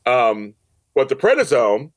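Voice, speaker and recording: He's a podcast guest and audio drama producer recounting personal stories in a relaxed interview. His medium-pitched voice is very animated, yet his pace stays measured, and he repeats phrases to stress his points with casual emphasis.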